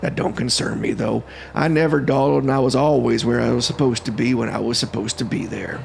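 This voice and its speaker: A man puts on a raspy character voice at medium pitch, rattling along at a very fast pace over clear background noise. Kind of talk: horror narration. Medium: read story. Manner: folksy, conversational.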